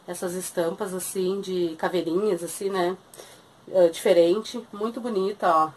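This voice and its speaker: A husky, darkish female voice, fairly low in pitch, with a steady tone and measured pace. She's a thrift shop seller in her thirties with a southern Brazilian Portuguese accent, casually showing and pricing secondhand clothes in a small shop for a sales video. Chatty throughout, she keeps addressing viewers as "gente".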